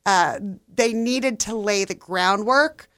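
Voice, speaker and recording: A woman's voice: medium pitch, slow, a bit bright, dry recording. A woman co-hosting a podcast, talking through her reading in an earnest, explanatory way. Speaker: podcast co-host. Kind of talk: casual book chat.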